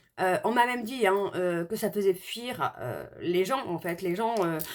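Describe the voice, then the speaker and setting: The pitch shows ordinary variation. The pace is moderate. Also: woman. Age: 30s. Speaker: medium and tarot reader. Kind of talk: personal talk to camera. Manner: halting, many hesitations.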